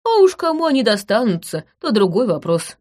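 A woman reading an audiobook voices a plain-spoken older male jeweler in an unhurried, homely way. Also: a little high, sing-song, darkish tone, pitched above the performer's own voice.

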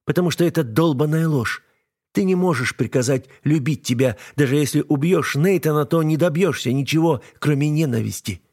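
A man voicing a defiant, frightened young wife in an audiobook, raising his voice high and pleading. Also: fairly quick, slightly rough. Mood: bitter. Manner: pleading, shouting, breaking into sobs. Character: young woman, defiant, scared and furious wife. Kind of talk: audiobook narration.

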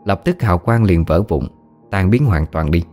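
Deep-voiced male story narrator. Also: lively intonation, normal speed, mellow, soft background music.

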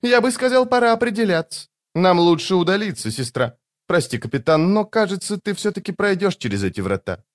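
A man's voice: high voice, lively intonation, brisk, hardly any pauses, voice pushed up. A man voicing a light, flippant young god of luck who dislikes fights.

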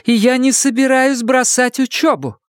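A man voicing a calm young woman student who speaks softly and firmly. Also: very high voice, clear, resonant tone, no echo, studio quality, pitched above the performer's own voice. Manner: soft, measured, quietly firm.

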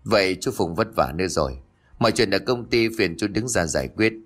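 Cool-headed young heir, read by a man in a storybook tale; low, expressive delivery. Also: a little fast. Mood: polite. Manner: cold, accusing. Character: confident young male company heir, cold.

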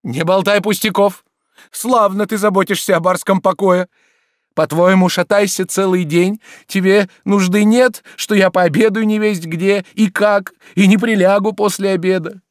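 A man reading an audiobook voices a petulant idle gentleman who whines and scolds his servant. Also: high-pitched, moderate pace, no room sound, studio quality, voice pushed up. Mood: exasperated. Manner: whiny, exasperated, raised and pleading. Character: petulant idle middle-aged gentleman, easily vexed.

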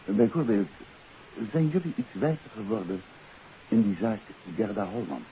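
An actor playing a courteous, composed detective who probes politely in a 1950s radio drama. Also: male voice, fairly low pitch, lively intonation, lightly acted. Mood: courteous probing. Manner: polite, measured, inquisitive. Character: composed, courteous male amateur detective, quietly probing. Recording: hissy, tinny 1950s radio recording.

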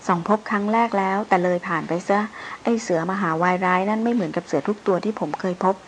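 A woman reading the lines of a hot-headed, proud male hunter in an audiobook, delivered urgently and forcefully. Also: fairly low pitch, fast, a little hiss or hum, lightly acted.

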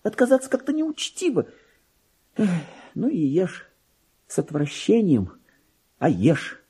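A man's voice: high-pitched, huge pitch swings, slow pace, warm tone, slightly rough, pitched above the performer's own voice, heavily acted. A man voicing a chatty, naive, pampered female lapdog reading out her gossipy letters in a theatrical radio play. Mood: fussy disgust. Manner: prim, gossipy, singsong.

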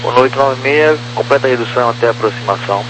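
Brazilian male controller, mid-pitched, terse instructions, walkie-talkie radio sound with clear hum and noise. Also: rapid-fire, a bit bright. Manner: procedural, terse phraseology. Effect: over walkie-talkie style radio. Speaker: air traffic controller. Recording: noisy humming aviation radio transmission.

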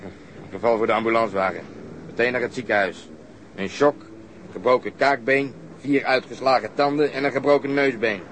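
A man acts out a cynical cop in a radio drama. He grumbles in a dry, sardonic way at a middling pitch. There is some noise and outdoor ambience around him. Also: close to an everyday voice. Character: talkative, cynical male policeman, grumbling about the job. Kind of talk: naturalistic radio drama dialogue.

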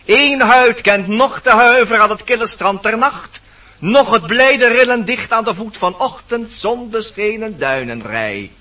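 A commanding, poetic forest narrator declaims radio-play verse. The voice is high and sharp, somewhat distant in a dull recording. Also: male voice, lively intonation, a little slow, heavily acted. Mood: lyrical.

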